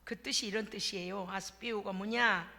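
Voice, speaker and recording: A woman's voice: mid-range voice, brisk, vocal fry. A woman pastor giving a sermon, telling stories with humor and acting out little scenes. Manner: lively, humorous storytelling with acted-out asides. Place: church sanctuary. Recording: reverberant church hall.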